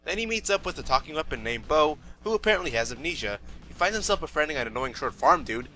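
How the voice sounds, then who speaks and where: Young guy doing a snarky anime review, talks fast, lots of bouncy pitch. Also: very animated, music in the background, rough recording. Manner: sarcastic, joking asides. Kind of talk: scripted comedic review narration.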